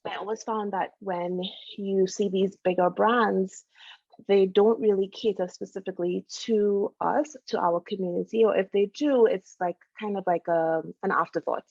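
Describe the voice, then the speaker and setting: A woman's voice: medium pitch, fairly even intonation, moderate pace, creaky, darkish tone, no echo, lo-fi sound. A middle-aged woman from Trinidad and Tobago, a doctor and founder, talking casually as a podcast guest with many "you know" fillers. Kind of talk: casual interview conversation.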